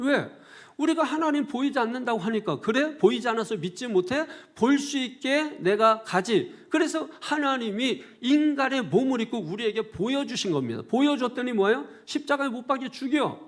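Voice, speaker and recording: A middle-aged male pastor preaching a sermon, animated and conversational, firing rhetorical questions at the congregation with folksy asides. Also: extremely high pitch, brisk. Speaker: senior pastor.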